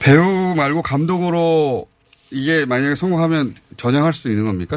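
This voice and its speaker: A man talks at a moderate pace in a normal speaking voice, fairly high-pitched and with lively intonation. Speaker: radio news show host. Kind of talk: interview. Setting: studio.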